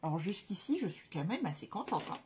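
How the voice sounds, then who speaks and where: A woman's voice: on the low side, sing-song, brisk, a little mellow, a little hiss or hum. A woman vlogger chatting casually to camera about jewelry she is unboxing, gushing in slangy exclamations with many fillers. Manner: frequent hesitation fillers.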